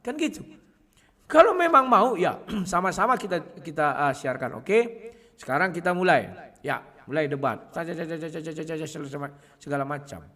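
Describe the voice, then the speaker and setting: Guy with a highish voice ranting at his viewers, keeps clearing his throat, reverby room. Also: normal speed, bright, forceful tone. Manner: combative, addresses listeners as "kawan", frequent throat clearing. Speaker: online video host. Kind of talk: casual monologue to viewers.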